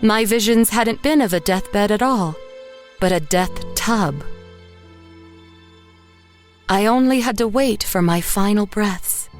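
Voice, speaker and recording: An actress playing a haunted woman painter who narrates horror in a measured, literary way. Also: medium pitch, soft background music, close to an everyday voice. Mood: grim, resigned. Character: haunted woman painter narrating her own murder, dazed and grim. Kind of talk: first-person horror audio drama narration.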